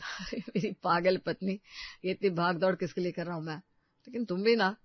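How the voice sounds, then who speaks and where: Cheerful young husband, played by a man; calm, joking, dry lo-fi story sound. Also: high voice, normal speed, no room sound. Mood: soothing. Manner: soothing, joking.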